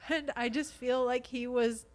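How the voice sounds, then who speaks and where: A woman's voice: on the high side, steady tone, unhurried. A woman talking conversationally as a guest on a podcast. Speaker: podcast guest, stage actor. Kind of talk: casual conversational podcast chat.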